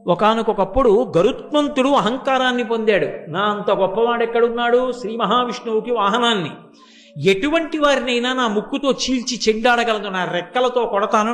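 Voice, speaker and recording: A man's voice: extremely high pitch, fairly bright tone. A man giving a devotional storytelling discourse, acting out the characters' words as he narrates. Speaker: religious discourse speaker.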